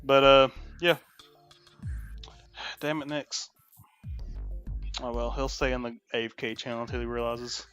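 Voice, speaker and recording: A man's voice: mid-range voice, steady tone, measured pace, pauses often, fairly bright tone. A man running a tabletop game as game master, casually narrating for a group of friends. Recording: dull lo-fi audio with background music.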